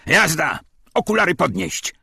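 A man puts on a brutal Nazi guard for a war audiobook. The voice is raised high and forceful, rough and husky, snapping out contemptuous commands. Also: big pitch swings, a little slow, no room sound, clean studio sound, heavily acted. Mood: barking contempt. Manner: barking, contemptuous. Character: brutal, sneering Nazi SS guard barking orders.

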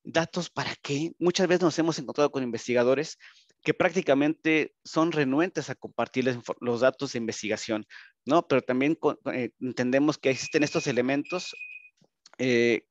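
A man's voice: mid-range voice, dry recording. Mexican man presenting, dull call audio. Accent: Mexican Spanish. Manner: halting, frequent tag questions. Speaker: researcher presenting at a conference. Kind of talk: conference presentation. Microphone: video call, computer microphone.

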